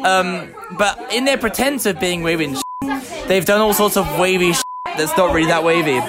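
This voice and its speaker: A man's voice: high-pitched, moderate pace. A drunk young man, a party guest, rambling and offhand with giggles. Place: crowded student house party. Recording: loud music and crowd behind. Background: loud music and party crowd.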